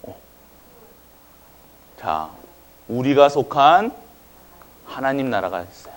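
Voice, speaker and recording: A man's voice: medium pitch, big pitch swings, slow pace. A male pastor preaching a sermon in a church, often quizzing the congregation and waiting for their answers. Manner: quizzes the congregation with call-and-response questions.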